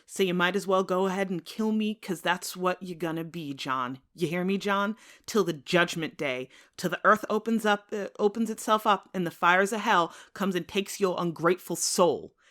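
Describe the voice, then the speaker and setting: A woman voicing a wounded, defiant man in a dramatic novel reading, building to loud, insistent repetition. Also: lowish voice, moderate pace, few pauses, lightly acted. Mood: defiant, anguished. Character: wounded man, defiant and furious, in a read-aloud novel scene.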